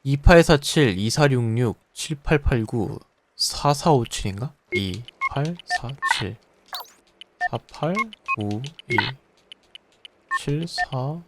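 A man's voice: medium pitch, sing-song, slow pace, very noisy. A man giving casual running commentary while playing a video game, frustrated and exclaiming, muttering numbers to himself. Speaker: game streamer. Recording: game music behind the voice.

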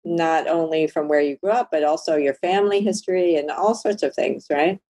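A woman's voice: low-pitched, brisk, dark tone, dry recording. A middle-aged woman coach on a video call, musing aloud and agreeing with others, with many "you know"s. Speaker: master coach, panel guest. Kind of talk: panel discussion.

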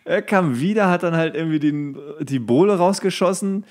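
A man co-hosting a comedy podcast in a casual, colloquial, joking way, often thinking out loud. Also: fairly high pitch, brisk. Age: over 21, adult. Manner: colloquial, joking, guessing aloud. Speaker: podcast co-host.

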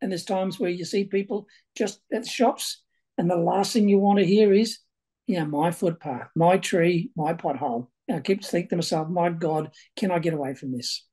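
A man's voice: sits high, moderate pace, dark tone. A man in his sixties, born in Ireland, talking as a local councillor on a video call from a small room, chatty and repeating words as he goes. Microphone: video call webcam.

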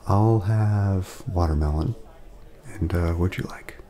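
A man speaking softly in a casual ASMR roleplay, laid-back and friendly, chatting as if to a friend. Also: deep voice, takes it slowly. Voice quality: soft, breathy at times, creaky.

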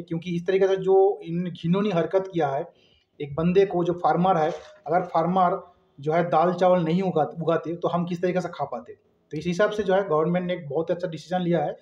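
Male vlogger, thirties, high-pitched voice, casual and repetitive delivery, recorded on a phone in a roomy space. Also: darkish tone, lo-fi sound. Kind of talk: casual opinion vlog to camera. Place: small room indoors. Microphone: phone at arm's length.

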